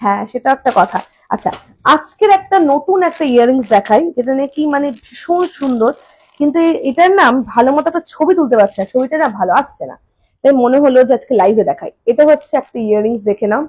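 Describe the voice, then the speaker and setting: A woman selling jewellery on a live stream. She says each price slowly and more than once, and chats quickly in between. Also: high voice, expressive, darkish tone, slightly rough, poor audio. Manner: repeats prices slowly, then chats fast in bursts. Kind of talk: live-stream sales talk. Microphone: phone camera.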